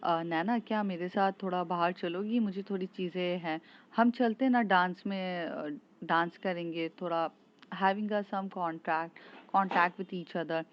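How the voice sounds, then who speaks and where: A man's voice: high-pitched, fairly even intonation, takes it slowly. A woman voicing a pushy, charming young man who pleads and coaxes, in a muffled lo-fi recording. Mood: coaxing. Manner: coaxing, pleading.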